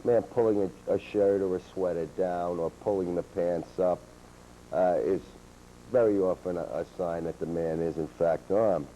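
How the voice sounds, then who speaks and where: A man calmly explaining police techniques on a training video, in a steady, matter-of-fact way, heard from an old VHS tape. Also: sits low, normal speed. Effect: old VHS tape sound. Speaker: law enforcement instructor. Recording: dull worn VHS tape with faint hiss.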